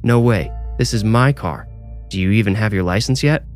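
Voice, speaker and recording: A man's voice: lowish voice, moderate pace, soft background music, natural voice. Man doing a flustered, stammering teenage boy. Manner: stammering, defensive. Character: flustered teenage boy, nervous, easily rattled.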